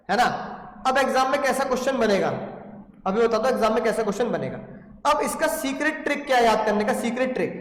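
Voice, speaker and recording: Indian guy teaching a live class, really high voice, keeps quizzing the kids, big echoey room with long reverb. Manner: animated, quizzes students and has them repeat words loudly. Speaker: commerce teacher.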